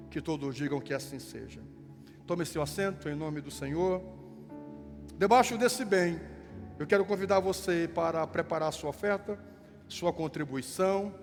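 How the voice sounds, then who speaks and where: A high-voiced pastor from Rio Grande do Sul in southern Brazil, speaking with a gaúcho accent, leads prayer and gives church notices. His prayer lines are fervent and drawn out, broken up by playful banter. It was recorded in a reverberant church sanctuary with worship music playing behind him.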